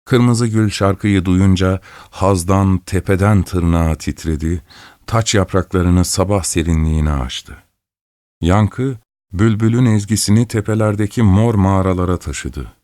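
A man reads a fairy tale aloud in a measured, expressive way. His voice sits very low, and the recording is dry and close, with no room sound. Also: dry recording. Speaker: storyteller. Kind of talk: storybook narration.

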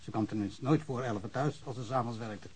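A man's voice: mid-range voice, fast, a little mellow, natural voice. A male actor plays a small-town policeman in a radio drama. He is emotional and rambling, stumbling over and repeating his words. The recording carries a little noise. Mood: agitated, sheepish. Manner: stammering, repetitive, rambling.

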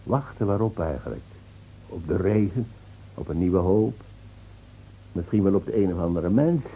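A man's voice: sits low, lively intonation, moderate pace, breathy edge, exaggerated voice. A man acting a bitter, mocking villager in a theatrical radio drama, sardonic and swelling with emphasis. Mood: bitter mockery. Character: bitter, mocking villager taunting others about hell and rain. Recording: muffled, noisy old radio play recording.

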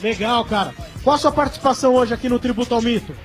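A man hosts live sports radio from a van parked at a stadium, talking fast and brightly in a high register. He keeps the exchange moving in quick back-and-forth, with faint music under him. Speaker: radio sports show host. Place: mobile studio van at a stadium.

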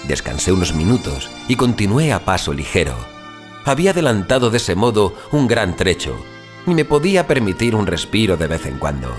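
A man acts out a weary, frightened male explorer in a dramatic audio fiction. His low voice moves with lively, sweeping intonation through literary, suspenseful first-person storytelling. Prominent music plays behind him. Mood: weary, resolute. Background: music bed.

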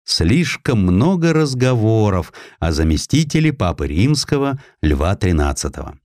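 A man reading historical prose as an audiobook narrator, in an expressive, dramatic storytelling manner. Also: on the low side, unhurried, no room sound, studio quality.

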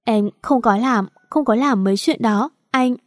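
Tearful young woman pleading, read by a woman narrator; broken, crying, slightly raised pitch. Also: unhurried, dry recording, clean studio sound, lightly acted.

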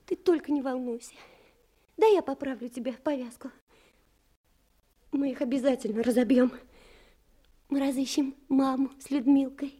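An actress playing a commander's brave young daughter in a radio drama, tender, earnest and often hushed. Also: female voice, high-pitched, normal speed, long pauses, husky. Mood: soothing, hopeful. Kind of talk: Soviet radio drama acting.

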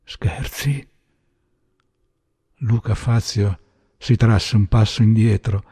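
A man with an Italian accent reading a short story aloud in a measured, dramatic narration. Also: on the low side, fairly even intonation, warm tone, husky. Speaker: audiobook reader. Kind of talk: literary audiobook narration.

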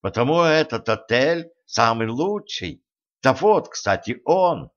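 A nervous male storyteller who grumbles and frets, as a man reads him aloud. His voice sits at a middle pitch. The audiobook recording is slightly muffled. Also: very animated, slow pace. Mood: fretful. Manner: fretful, grumbling.

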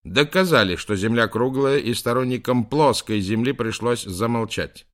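A man's voice: medium pitch, fairly quick, clear, resonant tone, pitched above the performer's own voice, lightly acted. A man voicing a confident male geology professor, lecturing emphatically. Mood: emphatic.

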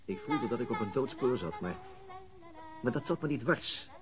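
An actor playing a weary, dry police detective in a radio drama, speaking in a deliberate, understated way. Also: male voice, medium pitch, expressive, close to an everyday voice. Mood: uneasy, wry. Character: male police detective, weary, dry, recounting being shadowed. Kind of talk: radio drama acting, narrating and dialogue. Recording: noisy older radio drama recording.

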